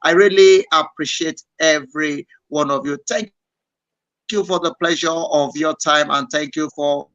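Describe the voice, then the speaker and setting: A male radio host with a South African accent and a bright, forceful voice sits close to a dry microphone. He talks with effusive enthusiasm and often repeats words as he praises his guest. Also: a little high, steady tone, measured pace, no room sound, dull audio. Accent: South African English. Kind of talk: live radio interview.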